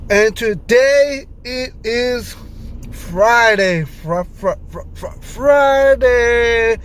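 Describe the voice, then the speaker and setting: A man's voice: extremely high pitch, very slow. A man talking casually as a solo vlog host, rambling and repeating words as he doubles back, recorded in a car. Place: inside a car while driving on city streets at night. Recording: clear car and street noise. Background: car and traffic noise.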